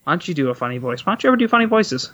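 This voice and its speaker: A woman's voice: fairly low pitch, big pitch swings, racing, a bit bright, dull audio. A woman co-hosting a podcast in casual chat, teasing her co-hosts and laughing often. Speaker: podcast co-host. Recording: noisy background.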